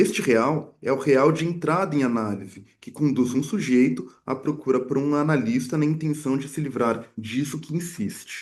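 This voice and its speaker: Speaking at a moderate pace with hardly any pauses, a man uses a fairly high pitch and ordinary pitch variation. He has an ordinary speaking voice. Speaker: psychoanalyst. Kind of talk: lecture. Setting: hybrid event at association venue.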